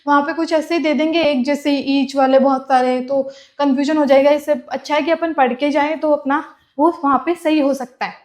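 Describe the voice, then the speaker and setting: High-pitched woman teacher, keeps asking her own questions then answering, repeats each word. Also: steady tone, moderate pace. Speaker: Hindi exam teacher. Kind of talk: classroom lecture.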